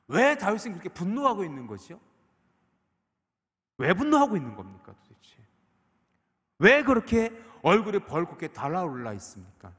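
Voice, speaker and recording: A man preaching a sermon as a pastor, building through rhetorical questions and voicing a character's anger. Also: high-pitched. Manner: animated, rhetorical questions, acts out the speaker's anger. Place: church sanctuary. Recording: echoey church hall.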